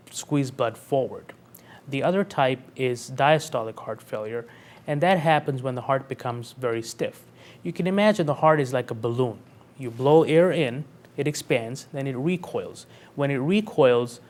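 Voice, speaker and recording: A man in his thirties, a cardiologist, explains heart disease in a calm, measured way. He walks through each point clearly and uses simple comparisons. His voice sits at a middle pitch. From Pakistan, raised in North Carolina. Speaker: cardiologist guest. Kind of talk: explanatory interview answers.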